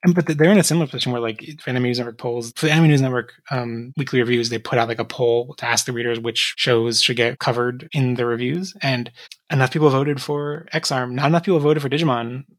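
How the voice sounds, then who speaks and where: A woman's voice: rumbling low, steady tone, fast talker. A young woman co-hosting a podcast, rambling in casual chat with plenty of filler words and frequent laughs. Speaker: podcast co-host.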